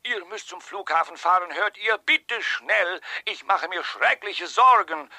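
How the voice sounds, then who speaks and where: An actor playing an anxious, excitable father in a children's audio drama, speaking urgently. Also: high voice, unhurried, no echo, exaggerated voice. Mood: worried, urgent. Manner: agitated, urgent. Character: anxious excitable father calling long distance by telephone.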